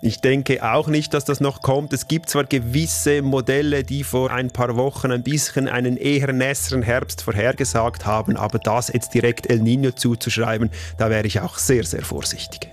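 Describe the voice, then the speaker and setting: A man's voice: mid-range voice, flat delivery, normal speed, few pauses, soft background music. A man explaining things as an expert in an interview.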